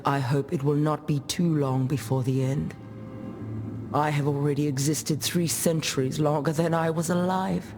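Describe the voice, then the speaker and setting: An actress playing a proud, solemn dead female warrior chieftain in a video game, telling tribal lore in a measured, formal way. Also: low voice. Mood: weary, reflective. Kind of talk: video game character monologue, storytelling.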